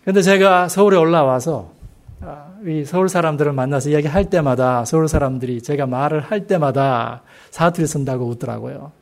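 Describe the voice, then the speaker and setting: Korean male preacher, emphatic and slow. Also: fairly high pitch. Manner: slow, emphatic delivery with rhetorical questions to the congregation. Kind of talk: sermon. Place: church sanctuary.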